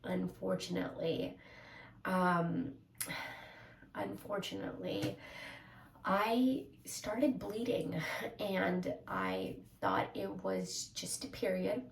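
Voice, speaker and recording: A woman's voice: on the low side, very animated, slow, creaky, long pauses, roomy sound, recorded from a distance, a little hiss or hum, rough recording. A young woman with a stuffy, congested voice, candidly talking to her camera in a personal vlog, hesitant and full of fillers. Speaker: vlogger.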